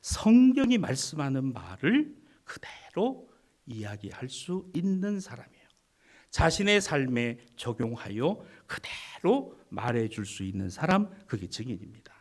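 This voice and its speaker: Man, pastor, sermon, animated, lively pitch, hushed asides. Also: unhurried. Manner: animated preaching, swings from loud to hushed, teasing the congregation.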